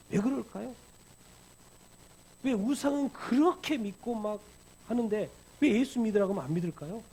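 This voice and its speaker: A man's voice: high voice, warm tone, husky, low-quality recording. A middle-aged man preaching a Korean-language sermon as pastor, firing rhetorical questions and acting out quoted lines with animation. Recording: faint background noise.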